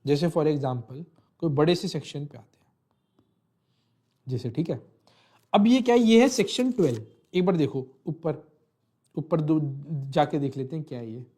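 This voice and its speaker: In an online lecture walking through a legal text, a man with a fairly high, sing-song, dark-toned voice speaks at normal speed and pauses often. He explains in Hindi, mixing in English legal terms, repeating phrases and checking in with "thik hai."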